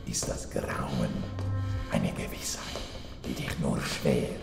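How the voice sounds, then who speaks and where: An actor playing a grandiose, gloating mad cultist doctor with theatrical, menacing phrasing in a horror audio drama. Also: male voice, extremely low pitch, expressive, gravelly, heavily acted. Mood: menacing, hushed. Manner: theatrical, drawn-out menacing phrasing, swinging from whispers to shouted incantation. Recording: reverberant hall, music behind.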